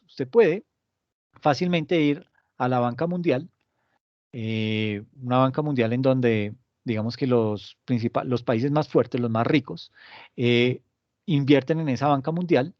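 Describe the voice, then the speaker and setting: A man explaining economics in a relaxed podcast, sarcastically acting out imagined dialogues between the government and the banks. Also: mid-range voice, no room sound, muffled recording. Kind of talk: casual explanatory podcast talk.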